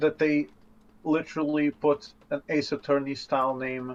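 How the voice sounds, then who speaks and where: Fairly slow, fairly high-pitched speech from a man. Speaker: viewer joining a game stream. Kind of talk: casual chat. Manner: halting, repeats words.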